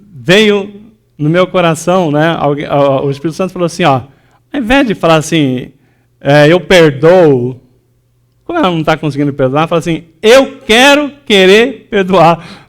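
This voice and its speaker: A man's voice: on the high side, expressive, normal speed, clear, resonant tone. A man preaching a sermon in a church, telling a personal story with many fillers and restarts, and acting out the voices of people he quotes. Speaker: pastor.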